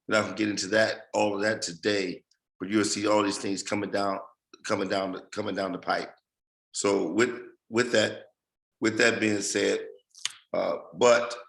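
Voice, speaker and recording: Lowish gravelly guy, voice going, kinda monotone, rambles thru a team call update. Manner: rambling, repeats phrases. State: losing his voice. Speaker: project leader giving updates. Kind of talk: casual group call update.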